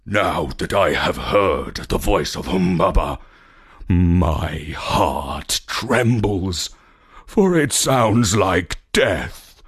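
A man's voice: low voice, animated, extremely slow, breathy edge, pitched below the performer's own voice, exaggerated voice. A man voicing a brave young heroic king in a storybook reading, speaking earnestly. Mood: fearful.

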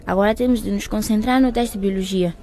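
A woman's voice: mid-range voice, quick pace, mellow, close to an everyday voice. A woman playing an earnest, studious teenage schoolgirl in a radio drama, conciliatory and slightly flustered.

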